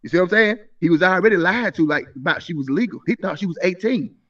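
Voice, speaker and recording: A man's voice: sits high, animated, fast talker, fairly bright tone. A man in his thirties arguing insistently in a live stream debate, stumbling through repeated restarts. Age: 30s. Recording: muffled voice from a distance.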